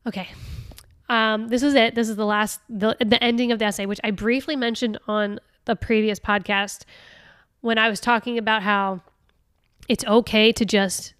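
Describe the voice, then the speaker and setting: A woman hosting a casual solo podcast, chatty and laughing often, reading passages aloud with lively expression. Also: a little high, moderate pace, smooth, no echo, studio quality. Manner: chatty, laughing often, with many fillers and restarts. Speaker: podcast host.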